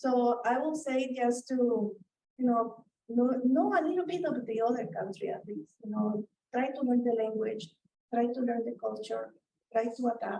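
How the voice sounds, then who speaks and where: Her voice sits high in pitch, with a dark, mellow tone and ordinary pitch variation. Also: moderate pace. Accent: strong Mexican. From Mexico. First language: Spanish. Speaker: panelist, immigrant businessperson. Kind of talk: panel discussion. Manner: hesitant, many fillers.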